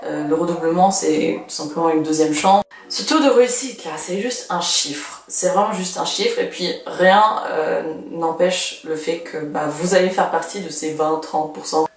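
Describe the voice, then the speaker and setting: A woman's voice: low-pitched, normal speed, few pauses, far from the mic. Young woman. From Russia. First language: Russian. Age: 20s. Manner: chatty, frank, lots of fillers. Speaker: vlogger. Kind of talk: casual advice vlog. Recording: echoey room, voice from off mic.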